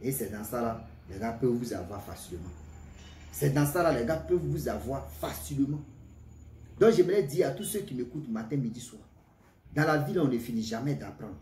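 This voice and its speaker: Male storyteller, emphatic and repetitive, speaks straight to listeners; mellow tone, recorded off-mic. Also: medium pitch, expressive, brisk, distant mic, slight background noise. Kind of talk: casual spoken storytelling. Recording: echoey room, voice from off-mic, faint ambience.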